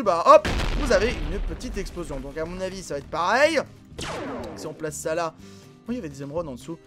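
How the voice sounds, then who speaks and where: A man hosting a gaming channel, commenting casually and excitably on gameplay, filling his talk with voilà and hein. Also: sits high. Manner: excitable, filler-heavy, frequent voilà and hein. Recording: game music clearly behind voice. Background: background music and in-game explosions.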